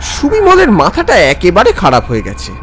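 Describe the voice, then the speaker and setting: A man playing a concerned, skeptical friend who narrates a ghost story with expressive, questioning delivery. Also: high voice, brisk, full character voice. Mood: narrating, uneasy. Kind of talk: dramatic scripted Bengali audio story narration. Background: background music.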